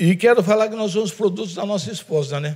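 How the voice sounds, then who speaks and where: A man's voice with ordinary pitch variation. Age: 60s. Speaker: pastor and advertising executive. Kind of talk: sermon.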